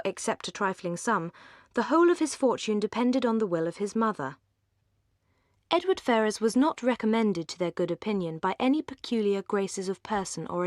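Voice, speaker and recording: A poised English woman reads a classic novel in a mid-pitched, even voice. The studio recording is dry and close, with no room sound at all. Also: no echo. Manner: poised, measured. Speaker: audiobook narrator. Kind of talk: literary audiobook narration.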